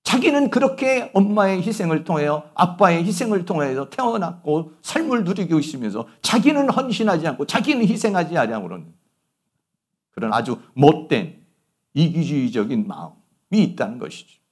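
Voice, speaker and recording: Middle-aged pastor, lively sermon delivery, lots of rise and fall. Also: male voice, fairly high pitch, a little fast, slightly rough. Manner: animated storytelling preacher, rhetorical questions.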